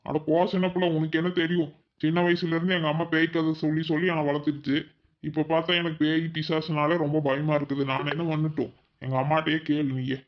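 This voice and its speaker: A man's voice: fairly high pitch, flat delivery, fast, dull audio, natural voice. A man playing a fretful young husband who is scared of ghosts, in a cartoon. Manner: whiny, fretful. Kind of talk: cartoon voice acting.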